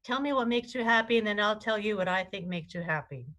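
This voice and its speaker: Fielding live callers as astrologer and co-host of a wellness program, she talks fast in a medium-pitched, slightly bright voice. Her readings are chatty and affectionate, full of restarts.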